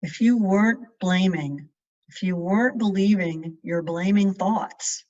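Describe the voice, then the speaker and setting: A woman leading a guided meditation in a measured way, leaving long pauses between short phrases. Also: medium pitch, darkish tone. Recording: distant mic, dull muffled sound.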